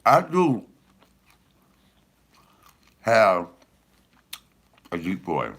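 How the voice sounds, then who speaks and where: A middle-aged man with a deep voice, a comedian chatting casually and profanely with viewers on a livestream. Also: very slow. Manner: animated, loose and profane storytelling.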